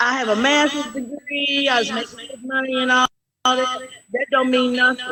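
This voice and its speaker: At a moderate pace, the raised, projected voice holds monotone, flat intonation. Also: woman, high pitch for a woman. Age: 60s. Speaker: caller, part-time tax expert. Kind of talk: testimony.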